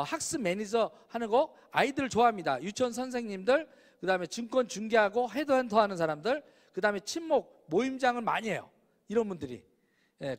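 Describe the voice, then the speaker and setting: High-voiced, animated male lecturer. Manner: animated, addresses audience with questions. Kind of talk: personality-type lecture. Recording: long hall reverb.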